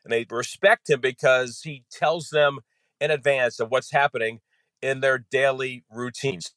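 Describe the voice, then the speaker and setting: A male play-by-play announcer speaking at a medium pitch, working through his points in a steady, measured flow of detail. The recording is dry and close, with no room sound around him. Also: dry recording. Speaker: baseball radio play-by-play announcer, guest. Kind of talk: podcast interview guest, analysis.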